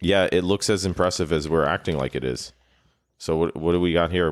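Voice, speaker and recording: Fairly even in intonation and fairly quick in pace, the voice carries vocal fry in a very clean recording with a silent background. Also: man, very deep, low pitch for a man. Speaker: podcast host.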